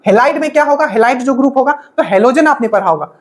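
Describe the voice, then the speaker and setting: A woman teacher giving an exam-prep lecture with a slightly high voice. She explains each point step by step and keeps checking in with the class. She asks herself rhetorical questions and repeats what must be memorised. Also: expressive, quick pace.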